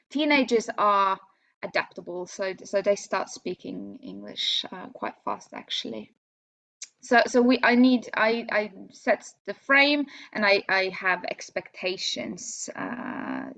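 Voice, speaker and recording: Lady teacher giving a talk in english, kinda slow n halting, bit of gravel in her voice. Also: mid-range voice, a bit bright. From Norway. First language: Norwegian. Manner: halting, repeats words as she explains. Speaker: English teacher presenting at a conference. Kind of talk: conference presentation, semi-spontaneous.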